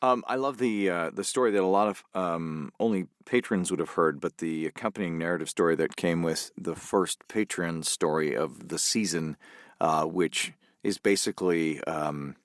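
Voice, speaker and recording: Very deep-voiced male voice actor. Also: normal speed, dry recording, clean studio sound. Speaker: voice actor being interviewed. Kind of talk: reflective interview chat.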